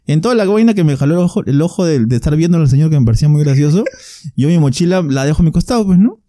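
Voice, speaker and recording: Brief: young Peruvian man, quick lively storyteller, dark voice, dry sound. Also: a little high, no echo. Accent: Peruvian Spanish. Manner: animated, laughing, acts out quotes. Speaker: podcast guest. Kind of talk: casual storytelling.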